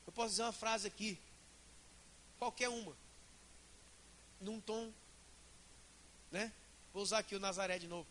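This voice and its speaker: Bright, high-voiced preaching pastor. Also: male voice, fairly even intonation, normal speed, long pauses, slight background noise. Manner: emphatic preaching, asks the congregation questions. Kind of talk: sermon. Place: church.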